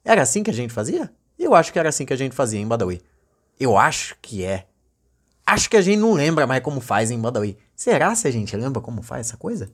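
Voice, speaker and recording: A man hosting a casual solo podcast, rambling and joking, swinging between low mumbles and excited high bursts. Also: fast, husky. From Brazil. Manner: rambling, joking, addresses his dog as co-host. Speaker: podcast host.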